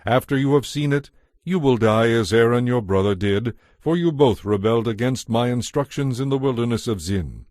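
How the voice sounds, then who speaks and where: A man giving a measured, formal narration of scripture from a script. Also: medium pitch, darkish tone, no room sound, clean studio sound. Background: music.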